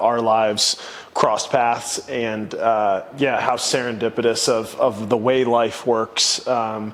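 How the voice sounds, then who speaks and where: A man talks in a monotone, flat way against noticeable background noise. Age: 30s. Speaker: community builder, former college basketball player. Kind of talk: podcast interview. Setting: in-person recording.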